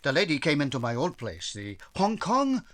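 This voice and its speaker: A man playing an obliging restaurant owner in an old radio drama. The voice is high and very lively in pitch, with polite, halting, formal phrasing. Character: courteous, obliging male Chinese restaurant owner. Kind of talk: 1940s radio drama acting.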